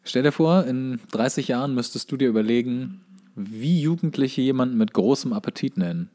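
A man's voice: medium pitch, expressive, fairly quick, mellow. Man bantering as a podcast co-host. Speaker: podcast co-host reading out a list. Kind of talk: casual comedic banter.

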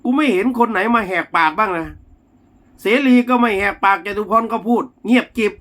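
A man's voice: sits high, moderate pace, a bit bright. A man delivering an angry political monologue to his viewers, blunt and insulting, using coarse words between polite particles. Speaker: political commentator.

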